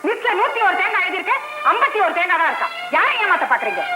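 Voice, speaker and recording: Film role: a scolding middle-aged mother, very high voice, loud music behind. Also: sing-song, very fast, rough recording. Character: sharp-tongued mother of the groom, demanding.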